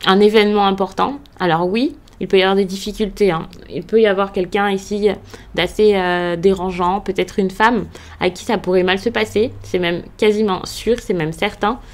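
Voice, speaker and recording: A woman's voice: medium pitch, steady tone, moderate pace. A woman from France giving a casual tarot reading to camera, hesitant with frequent fillers and restarts, in a reassuring tone. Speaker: tarot card reader.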